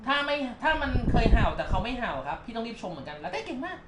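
A man working as a dog trainer, talking owners through a lesson at their home in an animated way and sometimes speaking the dog's thoughts aloud. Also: very high-pitched. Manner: animated, quick explanatory chatter that voices the dog's thoughts. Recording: echoey room with faint noise.

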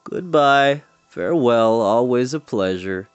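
A man plays a gloomy little fairy creature from a fantasy storybook. He complains mournfully, drawing out words in weary sighs, with pitch that rises and falls a lot. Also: expressive, clean tone, no echo, lo-fi sound, faint music behind. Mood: weary, complaining. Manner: drawn-out sighing, mournful, hesitant. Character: melancholy, whining, fretful fairy-folk creature, endlessly gloomy.

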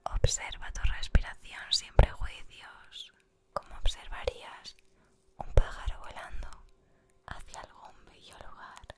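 A woman with an accent from Spain whispering an ASMR guided meditation in a soothing, gentle, unhurried manner. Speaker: ASMR creator guiding meditation. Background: music.

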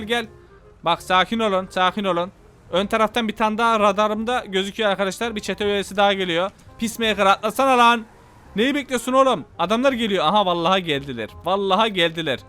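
A young man hosting a gaming channel, narrating his gameplay in an excitable, slangy way, shouting and repeating himself. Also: high voice, smooth. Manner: casual slangy banter with teammates. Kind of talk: gameplay commentary.

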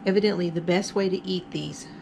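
A woman's voice: lowish voice, fairly even intonation, fairly quick, vocal fry, noisy background. A middle-aged woman hosting her cooking channel, chatting through each step as she cooks in her home kitchen. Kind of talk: casual cook-along narration.

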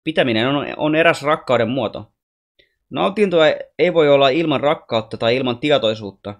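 A man voicing a wise gentle alien boy. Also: mid-range voice, lightly acted. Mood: gently teaching. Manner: calm, patient, teaching.

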